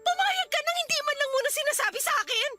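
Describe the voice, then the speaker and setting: A sharp-tongued angry wife. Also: female voice, very high voice, animated, moderate pace, faint music behind, exaggerated voice. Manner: heated, scolding. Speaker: radio drama actress. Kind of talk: radio drama acting.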